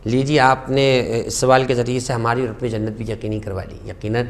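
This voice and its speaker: With a mid-range voice and flat delivery, a man serves as guest scholar on a religious talk show. He relates stories passionately, rising sharply on key phrases, and slows down for Arabic quotations.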